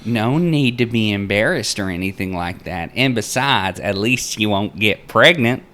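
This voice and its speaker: A man's voice: lowish voice, animated, measured pace, bright, forceful tone, voice pushed up. Game role: nosy, chatty young mother, folksy and teasing, raised swooping voice, performed by a man. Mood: knowing, teasing. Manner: folksy, over-familiar.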